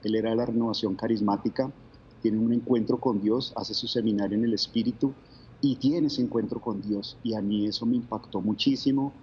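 A man's voice: on the low side, fairly even intonation, a little fast, lo-fi sound, slight background noise. A man from Bogotá with a Colombian accent, a guest telling his faith story in an interview, reflective and full of fillers. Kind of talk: testimony interview.

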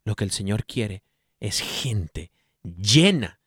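Man, co-host, preaching, animated, direct address, dead dry sound. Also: on the low side, slow pace, husky, no room sound. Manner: animated, exhorting listeners directly, acts out voices playfully. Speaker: co-host of a Catholic radio program. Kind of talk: preaching in casual chat.

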